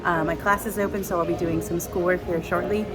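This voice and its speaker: A woman's voice: fairly low pitch, fairly even intonation, brisk, music in the background, rough recording. Woman vlogger, casual rambling chat, a little stuffy-nosed at times. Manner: chatty, rambling with fillers. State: stuffy from allergies. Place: theme park, outdoors and at home.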